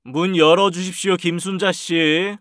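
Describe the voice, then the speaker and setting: A man's voice: high voice, steady tone, measured pace, a bit bright, dry recording, clean studio sound. An actor playing a male police officer, formal at the door and chatty about a hard case. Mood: firm. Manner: official, then chatty complaining.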